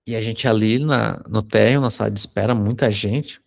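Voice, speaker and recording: A Brazilian man, a psychology teacher, telling a personal anecdote in a conversational lesson, often tagging sentences with a quick question. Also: on the low side, steady tone, creaky. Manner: conversational, frequent tag questions. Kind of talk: anecdote told in a recorded lesson.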